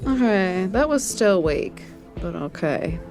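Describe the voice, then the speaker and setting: A woman's voice: mid-range voice, animated, slow, darkish tone, soft background music. An actress playing an exuberant, pushy young woman, a playfully dramatic best friend in an audio drama, emphatic and teasing. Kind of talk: naturalistic audio drama acting.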